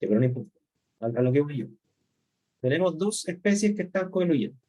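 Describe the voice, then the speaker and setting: A male chemistry lecturer gives an online class over a computer mic. His voice sits a little high for a man. He keeps stopping to ask his students whether they are following. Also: expressive, fairly quick, dark tone. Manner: explanatory, checks in with "¿ok?" and "¿no es cierto?". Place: remote class.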